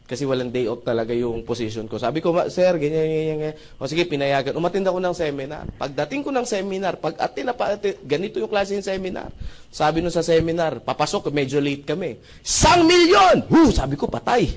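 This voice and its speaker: A man speaking at a seminar, telling a lively story. He acts out dialogue and often checks whether the audience agrees. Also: quick pace. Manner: animated, with jumps in pitch and loudness. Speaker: seminar speaker sharing his testimony. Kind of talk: motivational storytelling talk.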